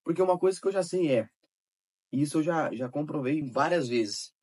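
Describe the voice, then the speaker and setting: A man's voice: fairly high pitch, expressive, brisk, darkish tone, slightly rough. A man talking straight to his viewer in casual, informal advice, repeating points and checking that the listener has understood. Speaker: digital marketing creator. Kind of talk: casual direct-to-camera advice.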